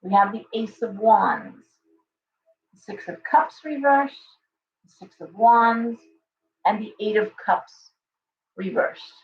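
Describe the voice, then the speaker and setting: Brief: hoarse woman, chatty tarot livestream host, off-mic in an echoey room, dull sound. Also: on the high side, takes it slowly, pauses often, recorded from a distance. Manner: chatty, thanks viewers by name, restarts often. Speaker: tarot reader hosting a livestream. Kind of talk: casual livestream tarot reading.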